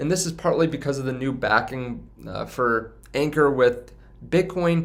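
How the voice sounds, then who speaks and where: Mumbling at a moderate pace, a man talks at a fairly high pitch with ordinary pitch variation. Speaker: crypto YouTuber. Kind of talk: casual investment commentary to camera. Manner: unedited, slightly mumbling.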